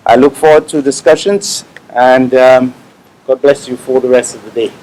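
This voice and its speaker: A man giving a formal ceremonial speech, measured and full of pauses and fillers. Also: mid-range voice, fairly even intonation, a little mellow, rough recording. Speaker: speaker at an opening ceremony.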